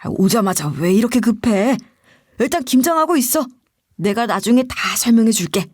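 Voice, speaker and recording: A woman's voice: fairly high pitch, expressive, moderate pace, darkish tone, husky, no echo, clean studio sound. A woman playing a scornful bullying boss. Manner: rude, scornful, talks down. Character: arrogant bullying male company boss.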